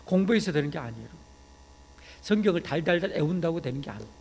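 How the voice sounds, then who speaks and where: Korean pastor preaching in a reverberant hall. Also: male voice, fairly high pitch, lively intonation, fast, creaky, husky. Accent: Jeolla Korean. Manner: conversational preaching, frequent "ye" interjections, rising to shouts when emphatic. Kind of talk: sermon. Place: church sanctuary.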